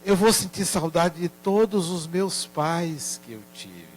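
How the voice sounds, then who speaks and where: A man voicing his sad four-year-old grandson, speaking softly and plaintively through tears. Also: a little high, lively intonation, slow, a little hiss or hum, voice pushed up. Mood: sad, tearful.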